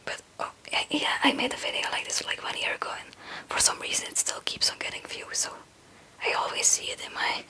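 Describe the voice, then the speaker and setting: A young woman from Belgium, a non-native English speaker, whispering a casual, hesitant and meandering ASMR chat in a breathy voice. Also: a little fast, pushed and bright, poor audio. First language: not English. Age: young adult. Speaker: ASMR video creator.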